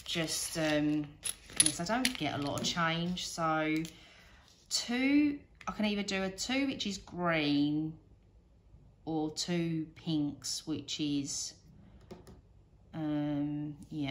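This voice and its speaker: A woman's voice: deep voice, slow pace, slight background noise. A British woman chatting casually as she narrates a hands-on task, thinking aloud in a rambling, self-deprecating way. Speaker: budgeting vlogger. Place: indoors at a wooden table.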